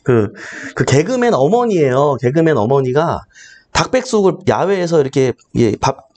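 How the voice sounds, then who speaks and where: High, animated man hosting a live stream. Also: normal speed. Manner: chatty and playful, reacting to viewer comments. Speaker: live-stream host and real-estate auction mentor. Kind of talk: casual live-stream chat with viewers.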